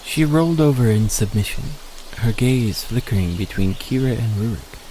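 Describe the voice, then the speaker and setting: A man's voice: medium pitch, animated, moderate pace, warm tone, slight background noise, poor audio. A man reading a scripted story as the narrator of an audio drama. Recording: faint outdoor nature ambience.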